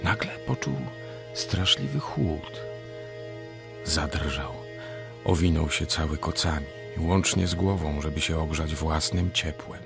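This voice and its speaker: A man's voice: sits low, vocal fry. A man narrating a radio drama in a dramatic, scripted storytelling style. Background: music.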